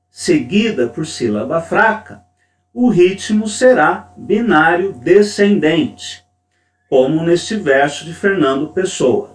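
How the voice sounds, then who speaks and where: A man teaching a poetry lesson, speaking slowly and deliberately and stressing syllables. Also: high-pitched. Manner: slow, deliberate, stresses syllables when reading verse. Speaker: creative writing teacher. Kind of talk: lecture on poetry. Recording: echoey room, distant mic.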